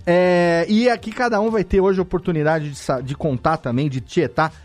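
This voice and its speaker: A man with a Brazilian Portuguese accent hosting a podcast in a lively, joking casual chat. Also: on the high side, moderate pace, faint music behind. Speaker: podcast host.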